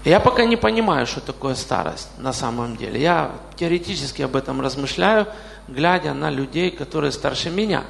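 Male pastor, late 40s, gravelly voice, reverberant hall. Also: on the high side, animated, normal speed, slight background noise. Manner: questions the congregation directly. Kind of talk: sermon.

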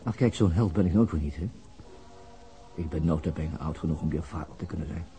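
An actor playing a weary, brooding, middle-aged police detective in a radio drama, with reflective, halting phrasing. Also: male voice, very deep voice, warm tone, soft background music. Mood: tender, reserved. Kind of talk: naturalistic Dutch radio drama acting.

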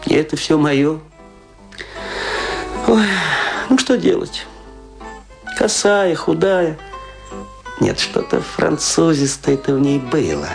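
A man's voice: a little high, sing-song, takes it slowly, gravelly, pauses often, over music, full character voice. A man playing a tipsy, self-pitying middle-aged washed-up actor, rambling confessionally in a theatrical radio play monologue. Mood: comic lament. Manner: rambling confessional, swinging between lament and mock pride.

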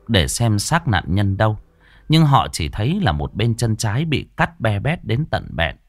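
A man narrating a horror story in a dramatic, expressive way. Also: fairly low pitch.

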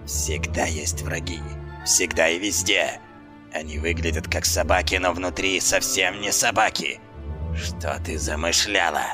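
A man voicing a big, menacing male dog who leads a street pack, speaking slowly and quietly. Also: fairly even intonation, music in the background. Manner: slow, low, quietly menacing. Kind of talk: audiobook character voice.

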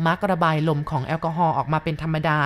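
Woman, audiobook narrator, somewhat low pitch, calm, measured storytelling. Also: a little hiss or hum. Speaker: audiobook reader.

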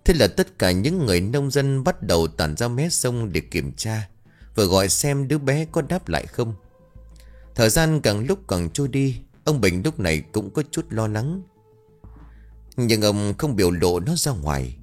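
A man narrating a dramatic story in a steady storytelling voice. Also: lowish voice, moderate pace, faint music behind.

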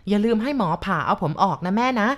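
A woman's voice: medium pitch, expressive, quick pace, pitched above the performer's own voice, lightly acted. A woman voicing the ghost of a little boy with a topknot who pleads with his parents in a dream. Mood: pleading.

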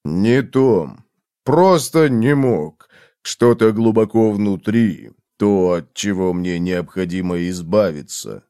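A man voicing a gruff, tormented man in a storybook reading, speaking slowly and tersely. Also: lowish voice, animated, mellow, dry recording, clean studio sound, pitched below the performer's own voice. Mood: brooding. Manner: slow, heavy, terse.

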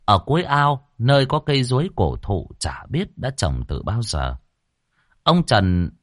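A man telling a dramatic story with vivid, expressive narration. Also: lowish voice, no room sound, clean studio sound.

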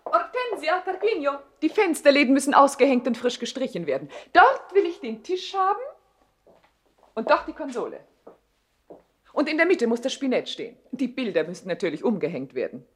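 An actress playing a haughty, coquettish young widowed princess in a 1960s German radio play, imperious and teasing in a theatrical way. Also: female voice, sits high, big pitch swings, normal speed, no echo.

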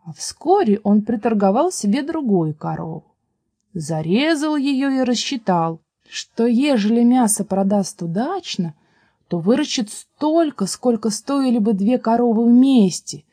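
A woman reading a fairy tale aloud in a calm, measured way. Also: fairly high pitch, slightly rough, no echo. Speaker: storyteller.

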